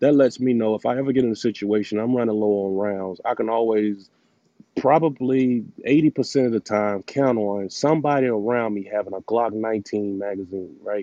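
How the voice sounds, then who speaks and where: A man with a plain, everyday voice talks moderately paced, his pitch varying in an ordinary way. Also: medium pitch for a man. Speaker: audience participant. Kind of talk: live audio room debate. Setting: live online audio room.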